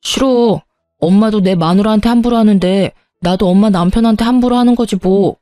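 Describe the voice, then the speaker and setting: Woman doing a young husband who flares up fast, mellow dry voice. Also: mid-range voice, dry recording, faint music behind, natural voice. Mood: agitated. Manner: pleading then loud, insistent. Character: young husband, hot-tempered son.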